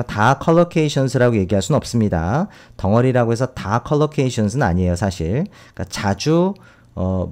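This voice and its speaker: Man, teacher, recorded lesson, lively pitch, slow repeated word drills, keyboard typing behind. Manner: explains step by step, models English words slowly and repeatedly. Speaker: English teacher. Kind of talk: recorded vocabulary and pronunciation lesson.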